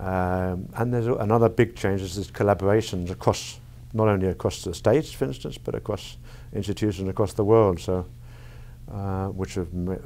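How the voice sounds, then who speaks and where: Deep and very low in pitch, a man speaks at a fairly quick pace in a dark, mellow tone with ordinary pitch variation. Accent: British. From United Kingdom. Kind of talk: interview. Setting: at a research conference. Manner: halting, many fillers and restarts.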